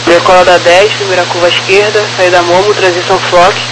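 High-voiced male controller over walkie-talkie radio. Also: level tone, a little fast. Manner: clipped procedural phrasing. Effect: over walkie-talkie style aviation radio. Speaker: air traffic controller. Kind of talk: radio clearances to aircraft. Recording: noisy aviation radio transmission.

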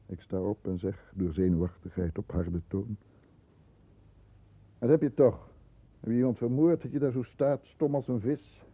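An actor playing a stern, disdainful middle-aged lawyer who narrates his own thoughts in a measured way in a 1960s radio drama, heard on a muffled old recording. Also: on the low side, steady tone, mellow, slightly rough, no echo. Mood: tense, impatient. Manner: measured, introspective first-person narration.

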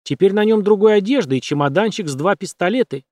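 A man's voice: sits high, expressive, fast, a little mellow, no room sound, pitched above the performer's own voice. A man voicing an old male gypsy servant in an audiobook, whispering hurriedly in broken grammar. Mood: urgent.

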